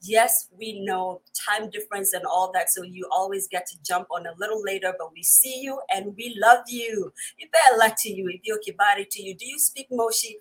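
A woman's voice: mid-range voice, moderate pace, few pauses, husky, poor audio. A woman chats to viewers as host of a live online show, effusive and often repeating her phrases. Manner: effusive, repeats phrases, greets in many languages. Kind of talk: chatty livestream greeting of viewers.

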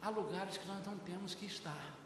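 An older man with a Brazilian Portuguese accent, preaching a sermon as a pastor, lively and acting out conversations while calling the congregation brothers. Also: high voice, brisk, noisy background. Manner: lively, acts out dialogues, often addresses the congregation as brothers. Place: large church hall. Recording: very echoey hall, heard from far off.

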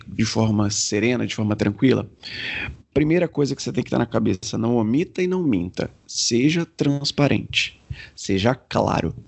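Appearing as a podcast guest, a man with a gravelly voice coaches on communication. He explains deliberately and demonstrates shifts in his own pitch and pace.

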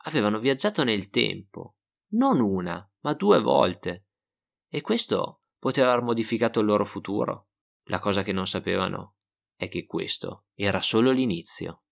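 Gravelly male storyteller, low voice. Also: animated, moderate pace. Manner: wry, crude humor. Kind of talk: comic audio storybook narration.

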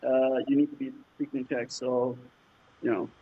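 A man from Jordan whose first language is Arabic, answering interview questions in a halting way, with many fillers and restarts. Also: medium pitch, little pitch movement, a little hiss or hum. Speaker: startup founder, guest. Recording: muffled lo-fi remote audio.

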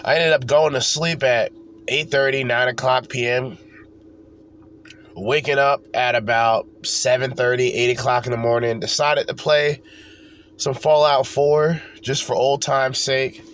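A man's voice: mid-range voice, fairly even intonation, unhurried, fairly bright tone. A man hosting his own podcast, stuffed up from a cold, talking in a loose, rambling way and swearing casually. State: congested from a cold. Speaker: podcast host. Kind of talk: casual solo podcast talk.

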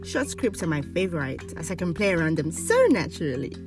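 A woman's voice: low voice, lively intonation, fairly quick, far from the mic. A woman voice-over artist reading scripted advertising copy. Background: music.

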